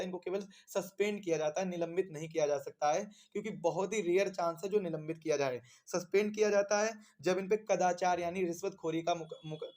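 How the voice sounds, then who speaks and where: A man with a slightly high voice gives an explanatory exam lesson. He reads out questions, repeats key phrases for emphasis and then supplies the answers himself, like a coaching instructor. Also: darkish tone.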